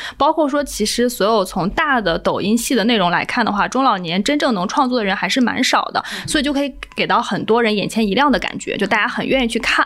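Talking at a very fast pace with lively intonation, a woman with a fairly high pitch comes through over noticeable background noise. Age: 30s. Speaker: venture capital investor. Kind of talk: casual chat.

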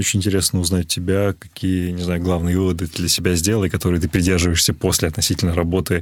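Very fast and with fairly even intonation, a man with a very deep, low pitch speaks on a very clean recording with a silent background. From Chelyabinsk, Russia. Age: 20s. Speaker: podcast host. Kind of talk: interview.

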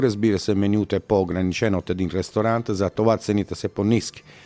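A man with an Italian accent speaks in a fairly low voice with a dark, mellow tone. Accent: Italian accent in Bulgarian, with mistakes. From Italy, Rome. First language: Italian (speaking Bulgarian). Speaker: wine shop and restaurant owner. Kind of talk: interview.

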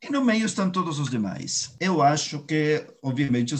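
With an Argentine accent, a somewhat breathy man talks at a moderate pace with very wide pitch swings. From Argentina. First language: Spanish (speaking Portuguese). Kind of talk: podcast discussion.

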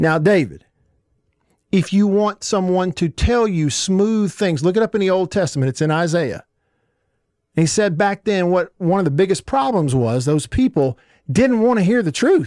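A high-pitched man with a Mississippi accent and lively intonation, his loudness very even, in a very clean, silent recording with a dry, close sound and no echo. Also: moderate pace. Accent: Southern US (Mississippi). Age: 40s. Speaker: sports radio host. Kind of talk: sports talk radio. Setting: studio. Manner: animated.

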